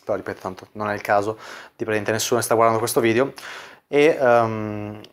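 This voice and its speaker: A man's voice: lowish voice, steady tone, brisk. Casual man coaching on dating chats. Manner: casual, full of "quindi" fillers. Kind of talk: explaining chat screenshots to viewers.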